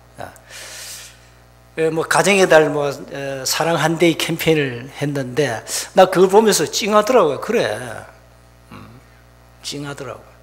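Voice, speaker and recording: The speaker has a strong Gyeongsang accent, lively intonation, a fairly slow pace, and long, frequent pauses, with noticeable background noise. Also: man, fairly high pitch for a man, big swings in loudness. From Gyeongsang Province, South Korea. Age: 60s. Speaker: pastor. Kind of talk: sermon. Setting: church.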